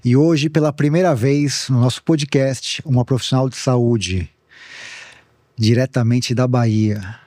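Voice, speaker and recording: A man hosts a podcast in a relaxed, casual way, often pausing and restarting his questions. His voice is mellow and warm. The sound is dry and close to the mic. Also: mid-range voice, no echo. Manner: relaxed, casual, hesitant phrasing. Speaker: podcast host. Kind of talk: podcast interview.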